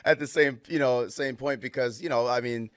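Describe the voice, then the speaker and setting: A man's voice: medium pitch, fairly even intonation, moderate pace, dry recording, clean studio sound. A man hosting a podcast interview, chatty and affirming, with lots of fillers. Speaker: podcast host. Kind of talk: casual interview chat.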